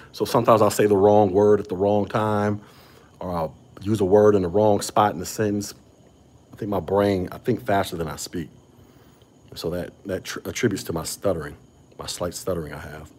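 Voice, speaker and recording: A man's voice: low-pitched, fairly even intonation, normal speed, a little mellow. A man hosting a casual podcast chat, talking with a slight stutter and frequent restarts. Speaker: podcast host. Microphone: podcast microphone.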